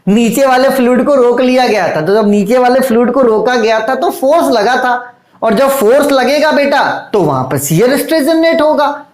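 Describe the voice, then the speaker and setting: A man teaching an engineering exam-prep lecture, loud and intense, fatherly with his students, and dictating definitions slowly word by word. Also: very high voice, roomy sound.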